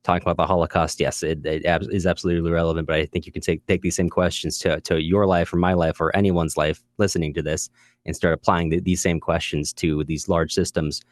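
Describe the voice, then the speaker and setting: A man's voice: low voice, level tone, fairly quick, dry recording, clean studio sound. A man co-hosting a podcast, casually discussing literature and hesitantly repeating words as he thinks. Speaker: podcast co-host.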